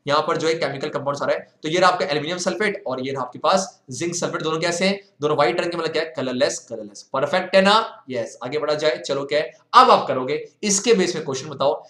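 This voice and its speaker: A young male teacher working through exam questions in a lively, coaxing way, mixing English phrases into his talk. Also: on the high side, fast talker, hardly any pauses. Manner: animated, coaxing, mixes English into Hindi. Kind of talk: exam solution lesson. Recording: echoey room.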